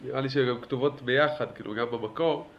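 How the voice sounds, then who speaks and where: A man teaching a religious class in a lively lecture style, urging his listeners on and asking them questions. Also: mid-range voice, dull audio. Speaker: Torah teacher.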